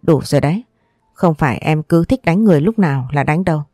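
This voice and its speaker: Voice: medium pitch, lively intonation, fast talker, mellow, dry recording, studio quality, soft background music, close to an everyday voice. A storyteller voicing a stern, angry young husband who scolds harshly.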